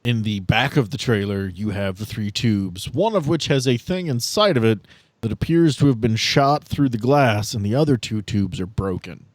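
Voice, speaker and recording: A man's voice: fairly low pitch, normal speed, no room sound. A man narrating a casual tabletop game as game master, with dry, teasing banter.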